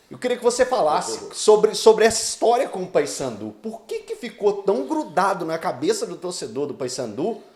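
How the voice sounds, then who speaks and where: The speaker has a Minas Gerais caipira accent and lively intonation. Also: man. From Divinópolis, Minas Gerais, Brazil. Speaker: podcast host. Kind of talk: podcast interview.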